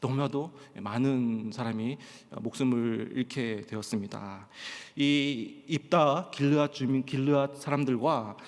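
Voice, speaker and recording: A male pastor from Pohang in South Korea, telling stories in a sermon at a Friday prayer meeting and often filling pauses with a short "yes". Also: mid-range voice. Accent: standard Korean, trained out of Gyeongsang dialect. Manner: storytelling with frequent "예" fillers and acted-out quotes. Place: church sanctuary. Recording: long church-hall reverb.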